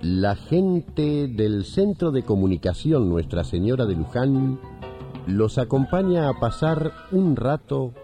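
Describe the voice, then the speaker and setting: A man's voice: medium pitch, sing-song, slow. A man reading a scripted introduction as a radio program announcer. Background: loud plucked guitar music.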